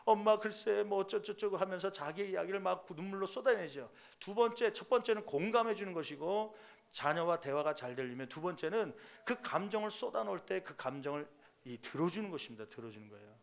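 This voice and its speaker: A middle-aged male pastor preaching a sermon, emphatic and rising to loud peaks, acting out parents and children in quoted voices. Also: high voice, gravelly.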